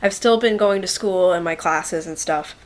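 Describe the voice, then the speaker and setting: A woman's voice: fairly low pitch, normal speed, slight background noise. Young woman with a stuffy head cold. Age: young adult. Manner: chatty and rambling, with frequent likes and ums; shy and quiet by nature. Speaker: beauty vlogger. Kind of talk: casual chat to camera.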